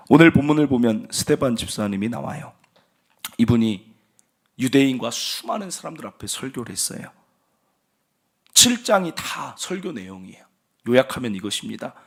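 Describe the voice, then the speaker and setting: A male pastor preaching a sermon, telling stories with acted quotes and moving between loud emphasis and hushed asides. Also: medium pitch, husky. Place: church sanctuary.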